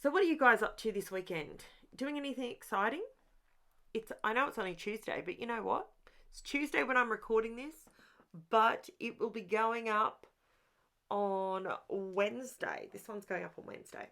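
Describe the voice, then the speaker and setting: A woman's voice: a little high, normal speed, pushed and bright. A middle-aged woman, chatting through a craft voiceover, rambling and talking straight to her viewers. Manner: rambling and self-aware, talks straight to viewers. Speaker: crafting channel host. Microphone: voiceover mic.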